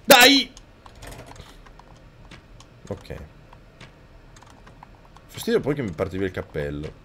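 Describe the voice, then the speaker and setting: Excitable swearing game streamer man. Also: low voice, measured pace, slight background noise. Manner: excitable, swears and yells at the game, thanks viewers. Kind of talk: live gameplay commentary. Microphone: microphone very close to the mouth.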